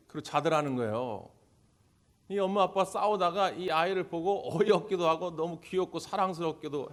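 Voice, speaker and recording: A male pastor preaching at a church service, telling stories, acting out the people in them, and putting questions to the congregation. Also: a little high. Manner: storytelling, acting out quoted voices. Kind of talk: sermon.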